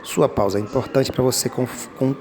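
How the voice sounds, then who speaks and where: Here a man speaks at medium pitch and normal speed with fairly even intonation, over a noisy background. He's a teacher going over exam questions, breaking down Portuguese grammar one step at a time, repeating the essentials patiently and talking straight to his viewers.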